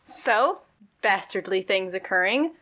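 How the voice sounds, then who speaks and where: A woman's voice: mid-range voice, lively intonation, unhurried, fairly bright tone. A woman acting as game master, narrating a tabletop game in a casual, conversational way.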